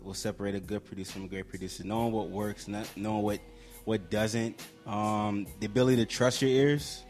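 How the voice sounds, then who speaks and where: A man's voice: fairly low pitch, steady tone, a little fast, darkish tone, soft background music. A man talking casually and with slang as a guest on a producers' panel. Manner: slangy, terse interjections. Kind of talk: casual chat.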